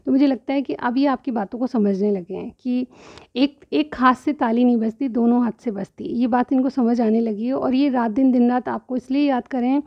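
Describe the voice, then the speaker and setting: A woman's voice: on the high side, steady tone, normal speed, highs cut off. A woman doing a tarot reading straight to her viewers in a chatty way, keeps checking in with "theek hai?", and her throat is a little sore. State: slightly sore throat, clears it often. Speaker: tarot reader.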